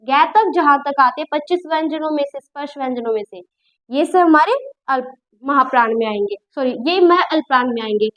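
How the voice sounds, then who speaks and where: Woman, young adult, high voice, grammar teacher, explanatory, asks and answers questions, self-correcting. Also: lively intonation, a little fast, lo-fi sound. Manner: explanatory, repeats and checks understanding, corrects herself. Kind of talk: spoken Hindi grammar lesson.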